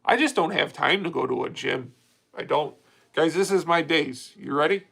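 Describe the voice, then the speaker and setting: A man's voice: on the high side, moderate pace, vocal fry, a bit bright. A man in his late thirties hosting a casual livestream, talking candidly and rambling with frequent restarts as he answers viewer comments. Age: 30s. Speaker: livestream host.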